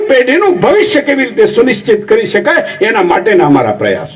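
An animated man's voice swings very widely in pitch against noticeable background noise. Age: 50s. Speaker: local politician. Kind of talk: public speech. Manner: animated, rally-style.

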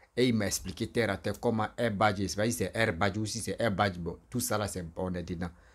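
With an animated tone, a man talks at a fairly low pitch and ordinary pitch variation. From Ivory Coast, village upbringing. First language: Ivorian local languages (speaking French). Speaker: YouTuber; vlogger on traditional beliefs. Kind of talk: casual vlog monologue; casual vlog chat. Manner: animated, repetitive. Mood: earnest, warning. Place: home room. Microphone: studio mic.

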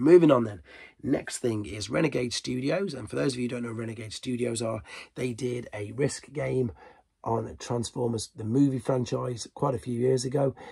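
The speaker has a British accent and a dark, mellow, somewhat breathy tone. The pace is moderate. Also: man, medium pitch for a man, ordinary pitch variation. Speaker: toy news YouTuber. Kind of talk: solo news roundup video.

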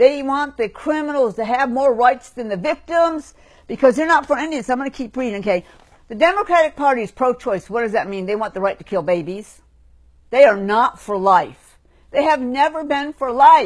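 A woman talks at a fairly quick pace in a high pitch, with lively intonation and a passionate tone, over a quiet background. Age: 60s. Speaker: religious political commentator. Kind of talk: sermon-style political address. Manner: passionate, earnest. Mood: fervent, stern. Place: home room. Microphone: phone near.

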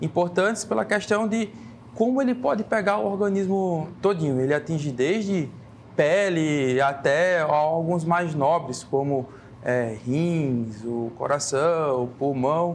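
Over light background noise, a man speaks at a fairly slow pace with lively intonation. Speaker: guest. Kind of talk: interview answer. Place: studio. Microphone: lapel.

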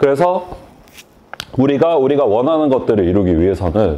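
A man speaks with very wide swings in pitch. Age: 30s. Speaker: hair salon owner and educator; educator. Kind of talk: lecture. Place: classroom. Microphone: handheld.

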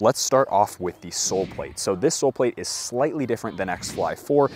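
This man speaks at a fairly quick pace. There is ordinary pitch variation in his delivery. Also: dry sound with no echo. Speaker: football boot reviewer. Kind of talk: product review commentary. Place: open country. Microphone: lapel.

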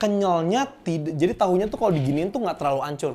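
A man with a Javanese accent speaks at a high pitch with very wide pitch swings. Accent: Javanese medok, from Jogja years. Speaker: infotainment TV host. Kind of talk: casual chat. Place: studio. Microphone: lapel.

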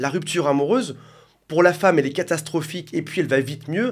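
A man talks with lively intonation in a high-pitched voice. The background is quiet. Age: 40s. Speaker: relationship coach YouTuber. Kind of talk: video monologue giving advice. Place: home room. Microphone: studio mic.

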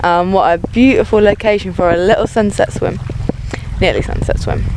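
A woman's voice, recorded dry with no echo, comes through over noticeable background noise. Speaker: outdoor travel vlogger. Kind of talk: casual vlog chat. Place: beach. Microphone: phone near.

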